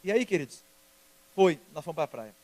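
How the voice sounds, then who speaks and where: A man preaching a sermon as pastor, telling personal stories in an emphatic, lively way. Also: on the high side, moderate pace.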